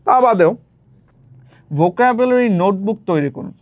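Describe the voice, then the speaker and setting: High-pitched and animated but a little slow, a young man tutors a casual speaking lesson, dropping English phrases in and repeating words as he explains. There's no room sound, and the highs are cut off.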